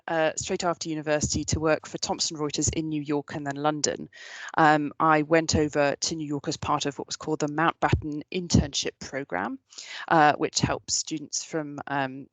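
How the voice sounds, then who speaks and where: A woman in her thirties from the UK giving a keynote about her career, earnest and measured, with frequent ums and restarts. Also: low voice, dry recording, low-quality recording. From United Kingdom. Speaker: keynote speaker. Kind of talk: prepared talk about career, many fillers and restarts.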